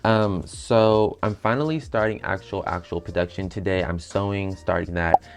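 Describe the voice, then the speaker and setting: Raspy low-voiced man chatting while sewing. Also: normal speed, very noisy. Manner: chatty, explains steps as he works. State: raspy voice after a night out. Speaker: bag designer. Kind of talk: casual sewing vlog.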